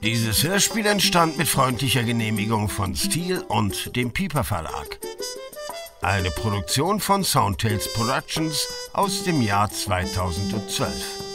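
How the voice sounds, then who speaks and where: Male credits announcer, slow lively read, music bed underneath. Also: medium pitch. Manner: measured, announcing. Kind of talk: reading closing credits.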